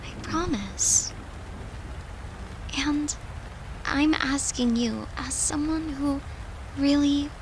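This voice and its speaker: A devoted girlfriend, played by a woman, in an intimate comfort roleplay, with a fairly high voice and an unhurried pace. She is tender and coaxing, playful yet protective, and sometimes sinks into a murmur. A clear rain-like hiss sits behind her. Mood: earnest pleading. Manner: tender, soothing, coaxing, slipping into breathy murmurs.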